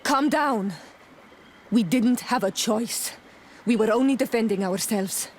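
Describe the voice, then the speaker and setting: An actress playing an earnest, proud young tribal guide in a video game, explaining things solemnly. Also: female voice, a little high, a little slow, slight background noise, close to an everyday voice. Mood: firm, calming.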